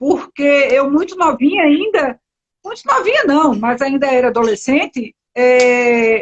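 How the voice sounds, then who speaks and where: A woman with a strong Pernambuco accent, her high voice lively in intonation and her pace fairly slow. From Pernambuco, Brazil (Recife). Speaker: entrepreneur. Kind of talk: interview.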